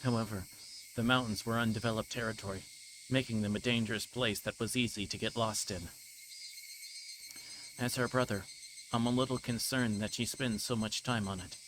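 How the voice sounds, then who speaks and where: A man livestreaming a visual novel, reading the game text aloud in a measured, slightly halting way. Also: fairly low pitch, fairly even intonation, noisy background.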